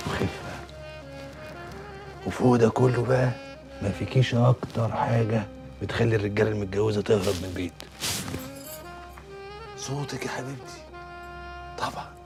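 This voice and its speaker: An actor playing a swaggering husband who speaks Egyptian Arabic, boastful and teasing toward his wife. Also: on the low side. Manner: playful, boastful, coaxing.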